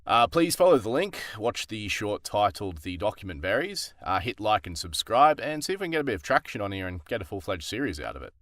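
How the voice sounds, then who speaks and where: A man's voice: on the low side, big pitch swings, fairly quick, hardly any pauses, fairly bright tone, no room sound, clean studio sound. A man talking casually as a voice actor presenting his work in a vlog.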